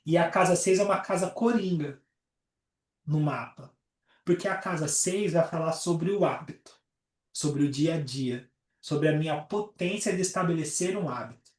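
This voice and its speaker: A man's voice: on the high side, moderate pace. A man leads an astrology study group on a video call. He talks casually and explains things with everyday examples. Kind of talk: casual teaching talk. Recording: roomy, distant from the mic.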